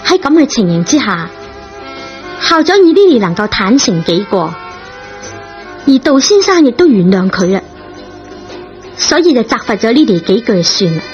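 A woman with a Cantonese accent narrating a radio drama in an expressive storytelling manner. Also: on the high side, moderate pace, long pauses. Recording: dull lo-fi radio recording, music behind.

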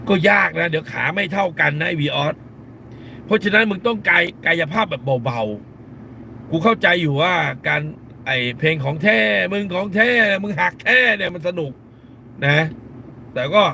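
A middle-aged man hosts a live stream from a car, speaking in a gravelly, somewhat high voice with a sharp, forceful edge. He is blunt and scolding, uses crude slang and hammers points home by repeating phrases. Faint road noise sits behind him. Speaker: lawyer and live-stream host. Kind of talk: casual live-stream commentary.

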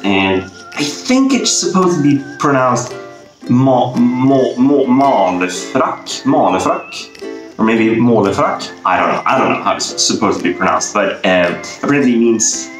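A young man with a Swedish accent doing a casual quiz vlog, playful and laughing often as he sounds words out slowly, recorded on a webcam in a small bare room. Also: mid-range voice, very animated. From Sweden. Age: young adult. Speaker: YouTuber. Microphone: webcam framing, head and shoulders. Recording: echoey bare room, faint guitar music.

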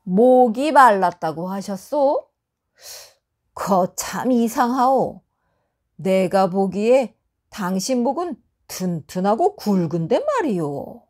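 A woman voicing a nonchalant male scholar on horseback who answers with deadpan wordplay. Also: mid-range voice, slow pace.

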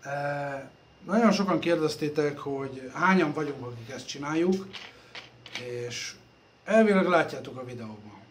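A man's voice: fairly high pitch, slight background noise. Rambling man in an echoey workshop. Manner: rambling, self-deprecating, trailing off softly at phrase ends. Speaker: computer repair vlogger. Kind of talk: casual workshop vlog. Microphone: phone camera. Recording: echoey workshop room, faint ambience.

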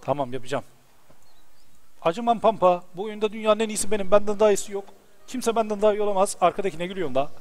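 A young man giving casual, excitable gameplay commentary, swearing and talking to the game as he plays. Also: high-pitched, fast. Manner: excitable, swearing, talks to the game and his horse. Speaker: gameplay streamer. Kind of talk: casual let's-play commentary.

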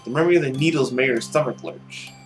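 A young man with a medium-pitched voice reads a story game aloud in a dramatic, expressive way. He adds his own commentary as he plays, and music runs faintly behind him. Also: fast talker. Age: young adult. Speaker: video game player and narrator. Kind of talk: reading visual novel text aloud with commentary. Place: small room at home, indoors.

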